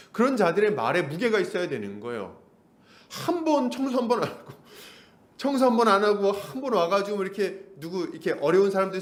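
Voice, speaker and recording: Animated man preaching in an echoey church. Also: high-pitched. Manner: animated, acts out quoted complaints in raised voice. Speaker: pastor. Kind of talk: expository sermon. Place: church sanctuary.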